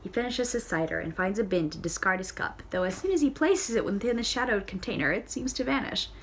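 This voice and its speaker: A woman's voice: mid-range voice, expressive, fairly quick, slight background noise. Woman reading a novel aloud, chatty. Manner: reads with fillers, self-corrections and playful side comments. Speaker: audiobook reader. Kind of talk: casual read-aloud of a novel with asides.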